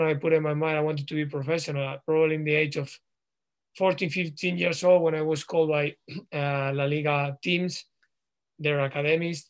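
A man in his thirties speaks English with a Spanish accent, in a fairly high voice. He answers interview questions slowly, pausing often and restarting his sentences. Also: fairly bright tone, smooth. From Spain. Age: 30s. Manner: halting, frequent ums and restarts. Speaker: guest, professional footballer.

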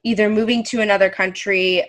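Woman interview host, mid-pitched, friendly and curious, casual. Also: fairly even intonation, brisk, fairly bright tone.

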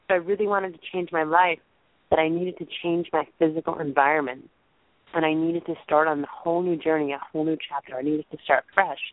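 A hoarse woman co-hosting a motivational call-in show, losing her voice from a chest cold and telling a personal story candidly. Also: low voice, fairly even intonation, a little fast, dry recording. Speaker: co-host. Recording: dry tinny phone line.

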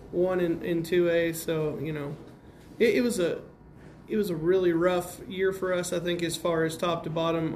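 Speaking as a basketball coach in an interview, a man with an American accent and a slightly high voice breaks down the game in plain, casual words. The recording carries some noise.

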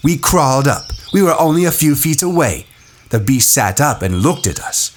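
A man voicing a headstrong, contemptuous boy in an audiobook, talking forcefully and insistently. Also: medium pitch, very animated, moderate pace, faint music behind, voice pushed up, lightly acted. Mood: defiant. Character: headstrong boy hunter leader, contemptuous and defiant.

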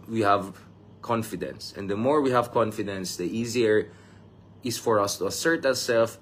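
A Filipino man with a Filipino accent, tired, talking excitedly in a casual football vlog and switching between Tagalog and English. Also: fairly low pitch, slight background noise. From Philippines. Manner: excitable, mixes Tagalog and English, laughs often. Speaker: vlogger.

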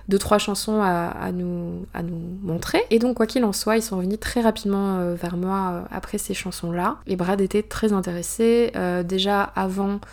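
A young woman from France, an author, chatting through a personal story in a casual monologue, full of hesitations, fillers and quick asides. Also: mid-range voice, a little mellow.

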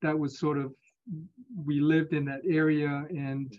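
A man in his fifties from Singapore, a physician answering interview questions in a measured, hesitant way. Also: fairly high pitch, level tone, phone-quality sound. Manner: measured, hesitant, with many pauses. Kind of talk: conversational interview.

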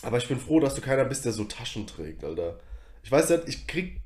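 A man's voice: medium pitch, sing-song, brisk, darkish tone. A young man co-hosting a podcast in casual chat, slangy and rambling with lots of fillers. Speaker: podcast co-host.

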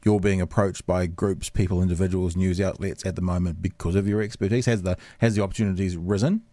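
A man hosting a podcast from a studio, his voice low and deep the way it gets on morning radio. He chats loosely, circling back and laughing at himself. The sound is close and dry. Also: fairly even intonation, fast, dark tone, no echo. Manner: chatty, rambling and self-deprecating. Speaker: podcast host. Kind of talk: casual interview chat. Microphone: studio mic.

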